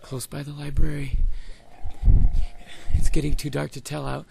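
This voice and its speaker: A young man playing a frightened, wary student in an amateur zombie horror radio drama, with a halting delivery. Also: fairly high pitch, level tone, gravelly, a little mellow, slight background noise, rough recording. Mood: tense, cautious. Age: young adult.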